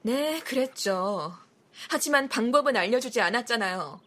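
A woman's voice: a little high, expressive, normal speed, bright, forceful tone, voice pushed up. A woman voicing a tired, mildly exasperated young female secretary. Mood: weary.

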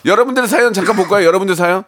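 A man's voice: sits high, racing. A middle-aged man hosting a casual radio chat, acting out family quotes. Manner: animated, acts out family quotes. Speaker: radio host.

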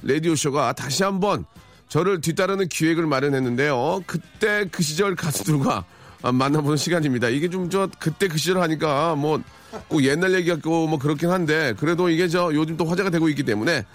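A middle-aged man hosting a radio show, talking casually and teasing his guest with many quick "yes, yes" replies. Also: a little high, faint music behind. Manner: playful, teasing, lots of short "ye, ye" backchannels.

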